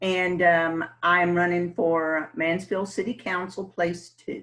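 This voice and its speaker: Speaking at a very slow pace, a woman with a Texan accent has a bright, sharp tone. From Texas, Lubbock. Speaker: city council candidate. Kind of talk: interview.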